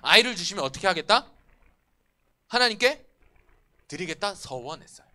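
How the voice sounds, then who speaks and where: A man preaching to a church youth group, animated and often asking the students questions. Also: sits high, normal speed. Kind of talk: sermon. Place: church worship room.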